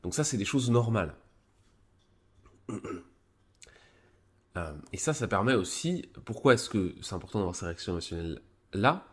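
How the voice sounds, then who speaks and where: A man who has a cold, hosting a live stream, explaining a psychology article in a casual, halting way with many fillers and restarts. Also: fairly low pitch, very animated. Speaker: streamer presenting a psychology review.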